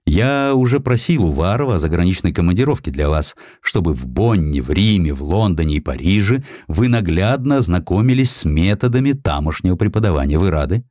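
A man voicing a blunt, patronizing count in audiobook dialogue, gruff and condescending. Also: low voice, sing-song, brisk, few pauses, a little mellow, no room sound, studio quality. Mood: benevolent.

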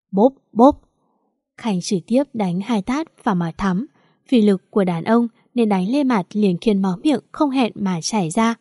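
Female storyteller, steady and dramatic; mellow tone, dry recording. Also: medium pitch, no room sound. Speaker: narrator. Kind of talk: scripted story narration.

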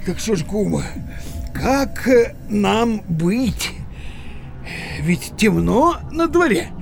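An actor playing a grumbling, sociable and indecisive village Cossack in an audio play, with drawn-out exclamations. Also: male voice, high voice, sing-song, vocal fry, soft background music, heavily acted. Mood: puzzled, wistful. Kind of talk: theatrical audio play acting.

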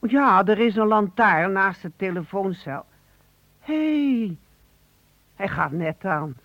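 A woman's voice: medium pitch, lively intonation, no room sound. An actress playing a poor, grateful old woman chatting hesitantly in a radio play. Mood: cosy, chatty. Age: older. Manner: hesitant, halting, chuckling. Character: poor, grateful, chatty old mother-in-law at a phone booth. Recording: narrow telephone-like old radio recording.

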